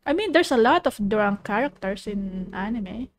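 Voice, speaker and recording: A woman's voice: medium pitch, lively intonation, moderate pace. A woman streamer chatting casually as she reacts to videos, playful and rambling, with a giggly manner. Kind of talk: casual livestream reaction chat. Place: living room.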